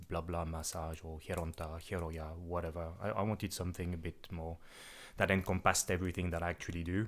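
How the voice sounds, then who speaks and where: In a French accent, the speech runs very fast and monotone, with flat intonation, on a very clean recording with a silent background. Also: man, very deep, low pitch for a man. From France. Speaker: massage therapist. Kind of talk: casual podcast interview.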